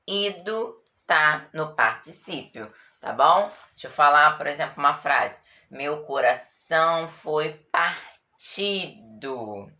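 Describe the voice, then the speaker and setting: A woman's voice: sits low, sharp tone. A woman teacher with a Brazilian Portuguese accent gives a grammar lesson patiently, stretching out example words and often checking with her students.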